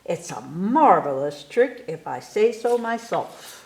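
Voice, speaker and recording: A woman plays a boastful young boy dreaming up a show in a storybook. The delivery is grandiose and unhurried, swinging widely in pitch like a carnival barker, in an echoey room. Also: sing-song, vocal fry, a little mellow, full character voice. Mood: grand, excited. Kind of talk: storybook read-aloud.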